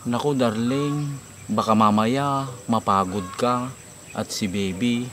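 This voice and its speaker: A man acting as an affectionate, teasing husband in a comedy skit, flattering his wife and calling her darling. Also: medium pitch, slow pace, close to an everyday voice. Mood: playful, flattering. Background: background music.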